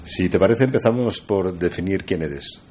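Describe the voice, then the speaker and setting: A man's voice: sits low, normal speed, a little mellow, slight background noise. A man hosting a radio interview, asking friendly conversational questions. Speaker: radio host.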